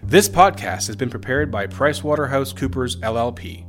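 A man's voice: mid-range voice, lively intonation, brisk, fairly bright tone, soft background music. A man hosting a podcast who asks questions, reacts briefly and reads a scripted outro. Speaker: podcast host.

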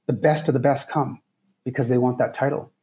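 A man from Trinidad speaks as a podcast guest, earnest and emphatic, often repeating his key points. His voice is mellow and warm, with a relaxed tone. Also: mid-range voice, a little fast. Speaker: guest, travel company founder. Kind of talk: podcast interview answers.

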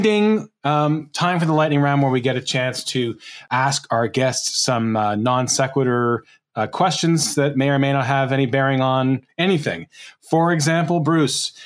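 A man's voice: mid-range voice, measured pace. A man hosting a podcast who asks questions, reacts briefly and reads a scripted outro. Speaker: podcast host.

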